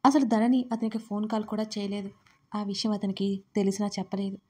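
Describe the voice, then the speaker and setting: A woman tells a serialized romance story in a steady, scripted narration. Her voice is mellow and soft-edged, sitting at an ordinary middle pitch for a woman. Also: fairly quick, husky. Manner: reads every part herself, louder and higher in the characters' lines.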